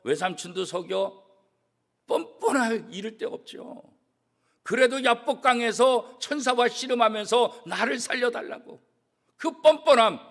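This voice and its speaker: A man, a church pastor, preaching a sermon with strong emphasis, swinging from loud declarations to hushed, almost whispered asides. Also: high voice, gravelly. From South Korea. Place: church sanctuary.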